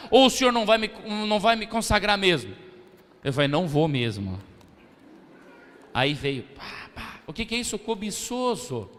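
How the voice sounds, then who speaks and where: High, animated Brazilian pastor preaching. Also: male voice. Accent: Brazilian Portuguese. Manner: preaching with call-and-response, acting out church members' voices. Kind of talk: sermon. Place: church sanctuary, long reverb. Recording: hall reverb of a church service.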